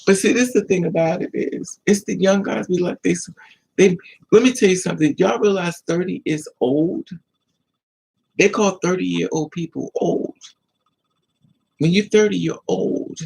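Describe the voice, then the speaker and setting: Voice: medium pitch, moderate pace, vocal fry, slightly rough, low-quality recording. A man with an American accent chatting casually and candidly to livestream viewers in a sassy, storytelling manner. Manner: candid, sassy, animated storytelling with mocking quotes. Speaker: livestream host.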